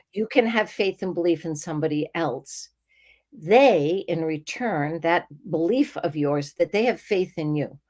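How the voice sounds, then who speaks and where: The speaker talks at a fairly slow pace with lively intonation, in a Boston accent. The recording is very clean, with a silent background. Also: woman, fairly low pitch for a woman. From New England, north of Boston. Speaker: regular show guest, life coach. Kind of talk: casual chat. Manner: animated.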